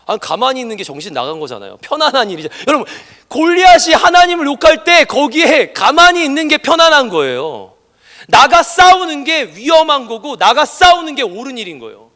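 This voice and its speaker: A man preaching a sermon as pastor, animated and emphatic, acting out the voices he quotes. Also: very high-pitched, quick pace, hardly any pauses. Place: church education hall. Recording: reverberant church hall.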